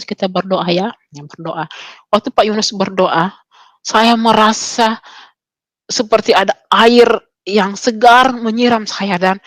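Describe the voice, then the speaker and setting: A young adult woman telling her personal conversion testimony, her voice climbing high and intense when she relives key moments. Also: no room sound. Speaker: testimony speaker.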